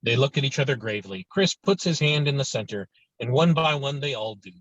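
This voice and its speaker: A man's voice: medium pitch, expressive, fairly quick, a bit bright, no room sound, dull audio. A man reading stage directions as narrator in a virtual table read of a film script.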